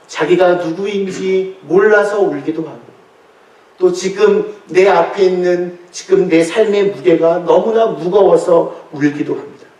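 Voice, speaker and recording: A man pastor preaching a sermon in earnest, emphatic, drawn-out phrases. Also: high voice, a little mellow. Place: church sanctuary. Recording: echoey church, voice from far off.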